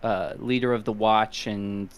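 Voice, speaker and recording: A man's voice: lowish voice, fairly even intonation, measured pace, clean tone. A man co-hosting a podcast in casual chat, asking questions and hesitating as he thinks. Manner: inquisitive, hesitant, asks questions. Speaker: podcast co-host.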